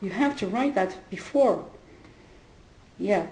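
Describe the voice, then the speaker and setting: A woman whose first language is not English, retelling a conversation in a halting way with many fillers and restarts and frequent laughter. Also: medium pitch, lively intonation, a little mellow. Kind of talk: casual spoken retelling. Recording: roomy echo.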